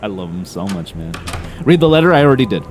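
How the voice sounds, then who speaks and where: A man's voice: lowish voice, big pitch swings, fast talker, slight background noise. A man giving casual commentary while streaming a game, laughing, swearing and reading on-screen text aloud.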